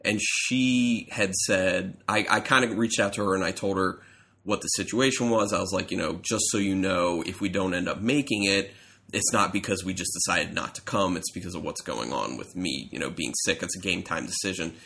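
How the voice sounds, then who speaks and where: Deep-voiced man with a stuffy cold. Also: normal speed, gravelly, pushed and bright. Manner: rambling, self-correcting storyteller. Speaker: podcast co-host. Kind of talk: casual chat.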